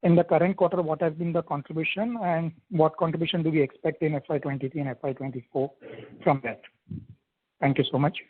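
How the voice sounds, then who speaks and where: Husky man over the phone. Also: on the high side, steady tone, quick pace, no echo. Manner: methodical, lays out numbered questions. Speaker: analyst caller. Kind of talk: asking questions on an earnings call. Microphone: phone handset. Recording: dry, narrow telephone line.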